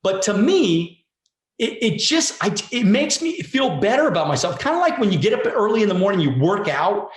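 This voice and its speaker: A man in his forties speaks as a guest coach in a motivational conversation. His voice sits high and swings lively up and down. He talks emphatically and casually, repeats words and swears freely, and the room gives a roomy echo. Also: normal speed. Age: 40s.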